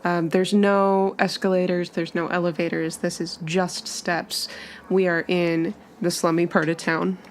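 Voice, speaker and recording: A woman's voice: lowish voice, level tone, measured pace, slight background noise. A woman player narrating her character's actions in a tabletop roleplaying game, improvising as she goes.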